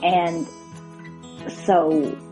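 A female host gives a casual, folksy introduction in a slightly low voice. She goes slowly and haltingly over faint guitar music. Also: fairly even intonation, mellow, rough recording. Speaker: radio show host.

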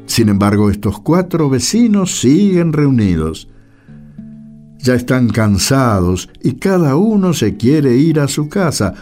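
A man's voice: mid-range voice, dark tone. A man giving scripted storytelling narration for a religious radio play. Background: faint guitar music.

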